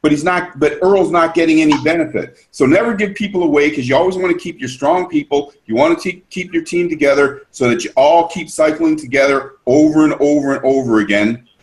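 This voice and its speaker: A man's voice: a little high, fairly quick, hardly any pauses, low-quality recording. A man explaining a business system on a group call, enthusiastic and repetitive, restarting his sentences often.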